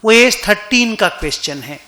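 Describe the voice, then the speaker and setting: A man's voice: sits high, animated, moderate pace, sharp tone. A man teaching an accounting class in a conversational way, often stopping to ask his students whether they follow. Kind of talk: classroom lecture. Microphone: online class recording.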